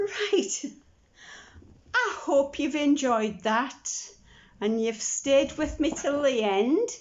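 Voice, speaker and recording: A woman's high-pitched voice with lively intonation at a very slow pace. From Scottish Borders, near Berwick-upon-Tweed. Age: 60s. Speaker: crafting and haul vlogger. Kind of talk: casual video sign-off.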